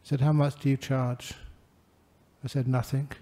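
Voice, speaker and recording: An older man gives an unhurried Buddhist talk with gentle humor. His voice sits at an everyday pitch but sounds deeply dark and mellow. His delivery is warm in pace and easygoing. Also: level tone. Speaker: Buddhist monk giving a dharma talk. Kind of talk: relaxed dharma talk with anecdotes.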